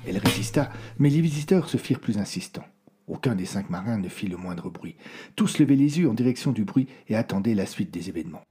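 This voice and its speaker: A man narrating a story in a hushed, suspenseful way. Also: lowish voice, animated, fairly quick, soft background music.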